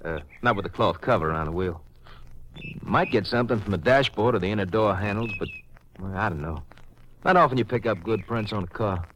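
Earnest highway patrolman played by a man, noisy old recording. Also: brisk, a bit bright, close to an everyday voice. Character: earnest, helpful highway patrolman reporting his find. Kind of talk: 1950s radio drama acting. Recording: noisy vintage 1950s radio recording.

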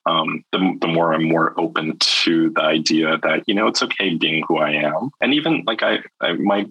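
A man's voice: a bass voice, moderate pace, slightly rough, dry recording, dull audio. A young man from China, a guest in an interview, talking candidly and hesitantly with many restarts and fillers.

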